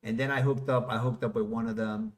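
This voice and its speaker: A man in his fifties, from Puerto Rico, hosting a casual interview and telling stories in an animated way, often repeating words as he thinks. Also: medium pitch, brisk. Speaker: podcast host.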